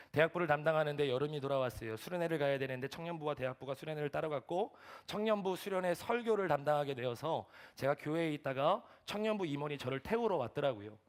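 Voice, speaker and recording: A man in his thirties preaching a sermon to young adults, telling a story and acting out the shouting voices in it. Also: on the high side. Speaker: pastor.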